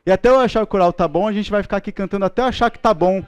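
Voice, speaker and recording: Man, Brazilian Portuguese accent, bible class teacher, joking and playful, higher voice, smooth and clear, dry sound. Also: rapid-fire, no room sound. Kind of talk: lively classroom lesson.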